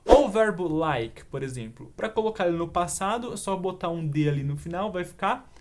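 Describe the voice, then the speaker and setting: High-voiced Brazilian man teaching English. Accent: Brazilian Portuguese. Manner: animated explaining, slows down for English examples. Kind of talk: online English lesson.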